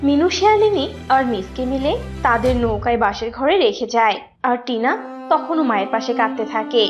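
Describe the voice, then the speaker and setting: Female storyteller: high voice, scripted children's cartoon narration, muffled audio over faint music. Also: expressive, a little fast.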